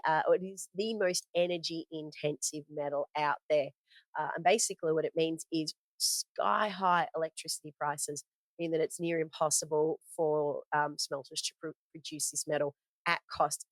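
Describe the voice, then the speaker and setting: A woman's voice: deep voice, no room sound. A woman hosting a commodities podcast, talking through her notes in a conversational way, with fillers and self-corrections. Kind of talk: casual spoken market commentary from notes.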